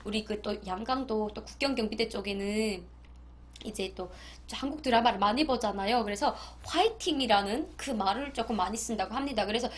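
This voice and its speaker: A woman's voice: a little high, fairly quick. A young woman from North Korea, chatting casually in a vlog, often laughing and acting out the voices of people she quotes. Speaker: YouTuber.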